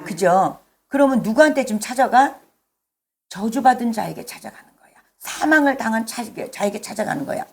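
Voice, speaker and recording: A woman's voice: fairly high pitch, lively intonation, a little fast. A woman pastor preaching a sermon in a conversational way, often putting questions to the congregation. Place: church service.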